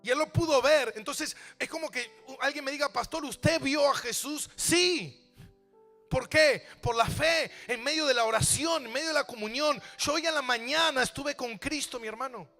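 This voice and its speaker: High-pitched fervent Argentine preacher. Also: male voice, normal speed, bright, forceful tone, faint music behind. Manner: preaching with rhetorical questions and repeated phrases. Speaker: pastor. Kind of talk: sermon.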